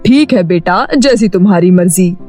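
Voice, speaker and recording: A man's voice: high voice, moderate pace, a little mellow, soft background music, natural voice. A man voicing a poor old grandfather who sells noodles, pleading and lamenting, in a children's story cartoon. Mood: humble, pleading.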